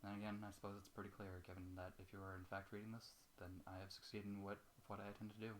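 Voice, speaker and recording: A man's voice: deep voice, little pitch movement, quick pace, slight background noise, lightly acted, rough recording. A man reading as a weary, sorrowful young schoolgirl pony in a storybook, subdued and resigned. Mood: resigned, sad.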